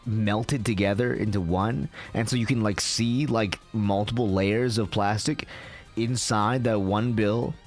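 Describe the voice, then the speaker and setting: A young man from Canada ranting casually on a live stream, swearing often and filling his talk with "like". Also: lowish voice.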